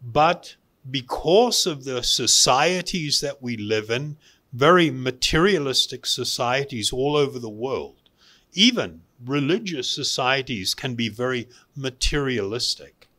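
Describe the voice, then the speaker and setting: Slow-talking man with animated, swooping intonation. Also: mid-range voice. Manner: deliberate, with emphatic pauses and repeated phrases. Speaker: meditation and yoga teacher giving a talk. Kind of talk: spiritual self-help talk to an audience.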